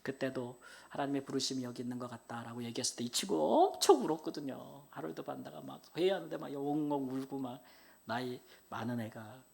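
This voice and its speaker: Middle-aged man, pastor, sermon, earnest storytelling, soft asides, sudden loud bursts, church sanctuary. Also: mid-range voice, fairly quick, creaky.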